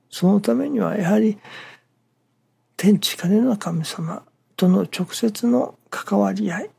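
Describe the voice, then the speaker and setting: Preacher, gravelly and husky, dark mellow tone, halting pauses, some words near-whispered. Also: medium pitch. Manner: halting, measured delivery with phrases broken by pauses. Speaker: minister. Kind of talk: morning sermon.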